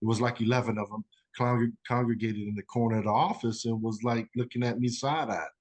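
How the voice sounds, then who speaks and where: A man's voice: medium pitch, fairly even intonation, fairly quick, a little mellow. A man, a guest author, telling a personal story in a rambling conversational way, full of "you know" and fillers.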